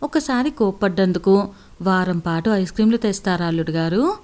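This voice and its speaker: A loving middle-aged mother with a gently teasing way of talking, as a woman reading the story puts her on. The voice stays close to the reader's own. It is a storybook reading. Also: mid-range voice, a little fast, close to an everyday voice.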